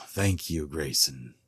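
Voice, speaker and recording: Fantasy king, male actor: deep, unhurried, solemn, weary but sincere. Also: a bit bright, slightly rough, dry recording, studio quality, heavily acted. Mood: reassuring. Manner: solemn, measured, formal. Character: earnest, weary king, devoted husband and loyal friend. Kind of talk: fantasy audio drama acting.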